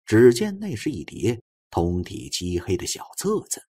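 A man narrates a suspense audiobook in a low, husky voice. His delivery is expressive and lively, with pitch that moves widely. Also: measured pace.

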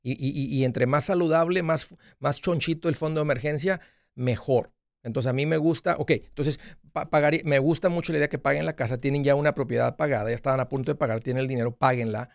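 A man's voice: medium pitch, steady tone, fast, gravelly, no echo. A man in his forties hosting a money advice call-in show from a small studio, talking directly and often restarting his words. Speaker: radio show host giving money advice. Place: small studio with acoustic foam wall. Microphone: studio mic with headphones.

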